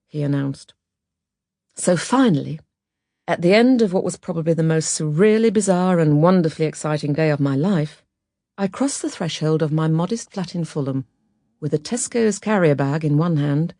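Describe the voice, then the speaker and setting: A woman narrating an autobiography audiobook in a measured, expressive storytelling manner. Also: low-pitched, dry recording, clean studio sound. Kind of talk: scripted memoir narration.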